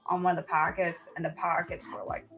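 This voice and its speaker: Lowish-voiced woman chatting casually. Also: monotone, brisk, fairly bright tone, soft background music. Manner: chatty, reminiscing, loosely descriptive. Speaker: co-host. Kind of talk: casual chat.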